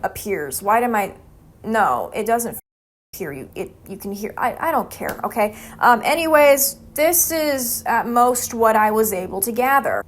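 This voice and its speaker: A woman's voice: on the high side, lively intonation, measured pace, slight background noise. A young woman hosting a horror video essay, mixing scripted narration with jokey, slangy, theatrical asides.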